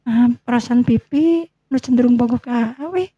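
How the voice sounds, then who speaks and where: A woman's voice: on the high side, normal speed, breathy edge, no echo. A woman playing a coy, pouting young woman in love, teasing and insistent, with a Sundanese accent, in an audio story. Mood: bashful, insistent. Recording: muffled, lo-fi recording.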